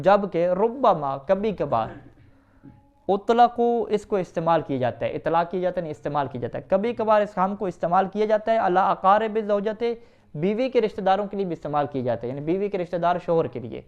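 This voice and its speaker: A man teaching Arabic grammar to students, asking them questions and answering them himself, reading Arabic quickly and then explaining it. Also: high voice, clear, resonant tone. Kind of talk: classroom lesson reading and explaining an Arabic text. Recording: dull, lo-fi recording.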